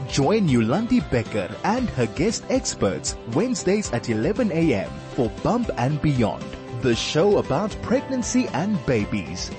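A man's voice: on the high side, wildly swooping pitch, unhurried, hardly any pauses. A man voicing a radio station promo. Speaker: station announcer. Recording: promo voice over music.

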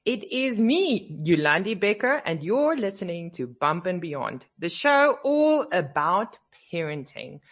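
A woman's voice: lowish voice, sing-song, measured pace, hardly any pauses, slightly rough. A woman hosting a radio show, chatting casually and a bit sleepy, her voice slightly scratchy from a cold. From South Africa. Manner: chatty, sleepy, laughs easily. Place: radio studio.

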